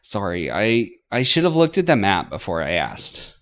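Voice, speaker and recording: A man's voice: fairly low pitch, wildly swooping pitch, moderate pace, a bit bright, pitched above the performer's own voice. A man voicing an eager, sweet, shy young woman in visual novel dialogue. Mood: apologetic.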